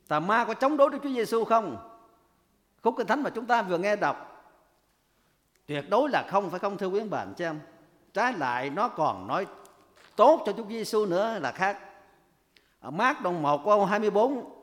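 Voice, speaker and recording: Male preacher, high and animated pitch, sermon delivery, rhetorical questions to the congregation, long hall reverb. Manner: rhetorical questions to the congregation, voice rising when quoting.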